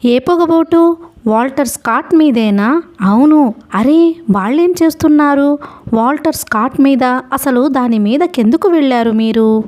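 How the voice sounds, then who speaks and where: A woman's voice: sits high, measured pace, darkish tone, voice pushed up. A woman voicing a boastful, talkative male ferry watchman in a storybook reading, rambling and exclaiming. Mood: alarmed.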